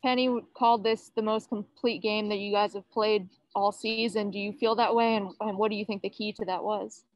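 A woman's voice: mid-range voice, fairly even intonation, normal speed, hardly any pauses, dry recording, muffled recording. A woman, a sports reporter, asking long, winding questions at a press conference.

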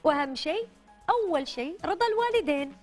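A woman's voice: very high-pitched, lively intonation, fast talker, soft background music. A woman in her thirties with a Gulf Arabic accent, presenting a children's quiz show and prompting with short repeated questions and phrases. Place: colourful indoor TV studio children's set.

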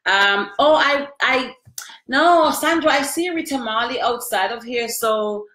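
A woman's voice: on the high side, lively intonation, a little slow, sharp tone. Sniffly chatty woman on a webcam. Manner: chatty, emotional, addresses viewers by name. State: sniffly after crying. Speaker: livestream host answering viewers. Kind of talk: casual live video chat. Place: small room at home, indoors. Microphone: webcam at close range. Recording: echoey room.

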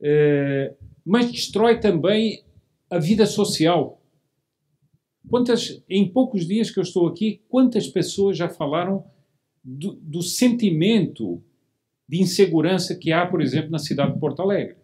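A middle-aged lecturer at a monarchist meeting delivers a formal political speech from a podium in a hall, asking rhetorical questions and repeating words for emphasis. His voice is high-pitched, animated, and unhurried, with a darkish tone.

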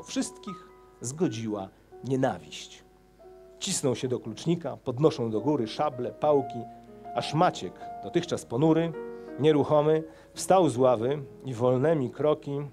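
A man narrating epic verse in an expressive, measured dramatic poetry reading at an outdoor public event. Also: medium pitch. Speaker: actor reading an epic poem.

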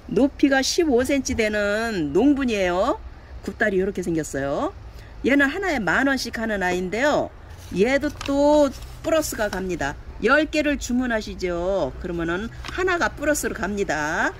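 A woman's voice: mid-range voice, a little hiss or hum. A woman selling handmade plant pots online, chatting casually as she shows and measures each one and coaxes viewers to order. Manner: chatty, fills talk with pointing words, coaxing buyers. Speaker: online pot seller. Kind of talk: casual product showcase.

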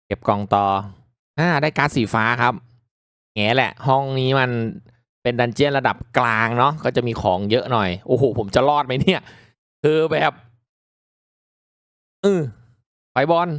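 A man giving casual, reactive commentary as he hosts a mobile game playthrough, chatting politely to viewers with excitable exclamations. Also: mid-range voice, moderate pace, pauses often, dry recording, clean studio sound. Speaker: gaming video host.

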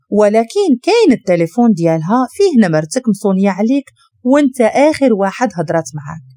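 Woman doing a sneering Moroccan cop, lively taunting delivery. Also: fairly high pitch, dry recording, studio quality. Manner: sarcastic, taunting. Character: mocking male police officer.

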